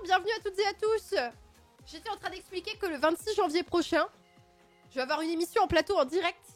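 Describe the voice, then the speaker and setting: A playful woman with a high voice hosts a casual livestream, chatting loosely and breaking into excited outbursts. Faint music plays under her voice. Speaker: livestream host.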